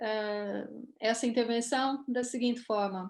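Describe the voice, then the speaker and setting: The woman's pitch is fairly high. She speaks at a fairly slow pace in a monotone, flat way. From Brazil. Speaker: photographer. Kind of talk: presentation. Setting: video call. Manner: halting.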